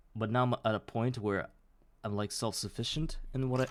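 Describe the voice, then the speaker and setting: With a non-native accent, a man talks at a moderate speed. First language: Russian. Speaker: streamer. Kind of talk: casual chat. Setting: live stream. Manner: halting, trips over words.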